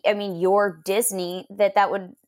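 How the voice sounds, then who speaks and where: A woman's voice: mid-range voice, flat delivery, measured pace. A woman in casual conversation, talking reflectively and thoughtfully with many fillers and restarts. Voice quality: voice that gets lost. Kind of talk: casual chat.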